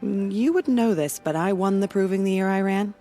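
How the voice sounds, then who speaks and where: A woman playing a stoic, devout tribal warrior in a video game, speaking in a solemn, measured and formal way. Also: mid-range voice, dark tone, soft background music, close to an everyday voice. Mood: proud, resolute. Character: stoic, devout female tribal warrior commanding a village's defenses. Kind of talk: dramatic video game dialogue.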